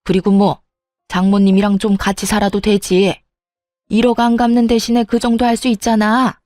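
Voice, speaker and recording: A woman's voice: medium pitch, level tone, normal speed, a little mellow, dry recording, clean studio sound, soft background music, lightly acted. A woman doing a cold, scolding mother-in-law. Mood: dismissive. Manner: dismissive, scolding.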